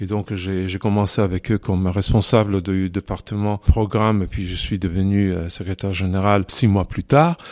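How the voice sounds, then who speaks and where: A man with an Italian accent talks at a moderate pace, fairly low in pitch, with fairly even intonation and hardly any pauses. The recording is very clean, with a silent background. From Italy, Emilia-Romagna (near Reggio Emilia). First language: Italian (speaking French). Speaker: retired NGO director, diocesan solidarity coordinator. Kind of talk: radio interview. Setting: office. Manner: halting.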